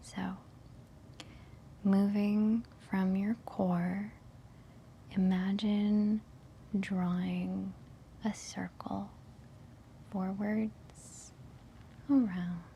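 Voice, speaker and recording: A woman leading a guided meditation in a soft, breathy whisper, giving gentle, soothing instructions with long pauses. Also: mid-range voice, little pitch movement, slight background noise.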